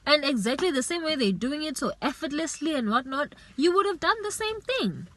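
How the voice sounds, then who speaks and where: A woman's voice: high-pitched, very animated, a little fast, a bit bright, no echo. Earnest woman urging viewers on. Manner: earnest, urging and repetitive, with many restarts and "you know". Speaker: vlogger. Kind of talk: faith-based motivational talk to camera.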